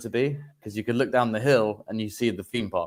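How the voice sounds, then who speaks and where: Someone with an English accent speaks at a fairly quick pace with fairly even intonation. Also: man. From England. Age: 20s. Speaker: paranormal investigator. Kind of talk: casual interview chat.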